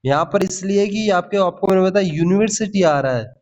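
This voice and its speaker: Lively high-voiced grammar teacher. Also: male voice, fairly quick. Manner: lively, repeats "ठीक है?" and calls students "भाई". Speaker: exam-prep English teacher. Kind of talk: Hindi grammar lesson with English examples. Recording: slightly dull lo-fi audio.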